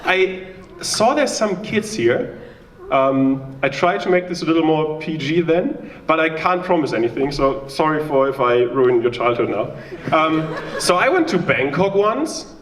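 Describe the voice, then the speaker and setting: A man's voice: fairly high pitch, expressive, a little slow, reverberant, recorded from a distance. A young man from Germany with a German accent, doing a chatty, self-mocking stand-up set and bantering with the crowd. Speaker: stand-up comedian. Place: small live venue with audience.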